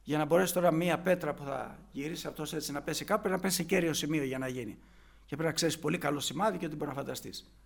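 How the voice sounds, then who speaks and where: A man preaching a fervent sermon in a high, gravelly voice. He moves between retelling a story and urging his listeners to faith, and his voice often rasps into fry.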